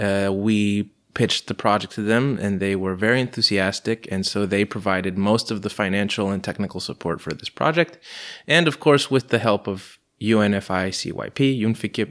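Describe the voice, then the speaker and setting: Man with an American accent and an ordinary speaking voice, fairly low in pitch, ordinary pitch variation, moderate pace, very clean recording with a silent background. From Cyprus. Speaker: artist. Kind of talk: casual chat.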